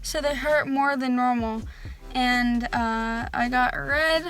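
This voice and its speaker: Young woman vlogger lisping with braces, high-pitched. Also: slow, fairly bright tone, low-quality recording. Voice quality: slight lisp from freshly tightened braces. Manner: talking carefully around sore braces, slightly impeded speech. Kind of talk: casual vlog chat.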